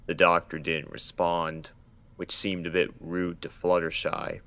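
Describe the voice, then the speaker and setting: A man's voice: sits low, flat delivery, unhurried, pushed and bright. A man reading scripted fan fiction as the narrator of a dramatic story.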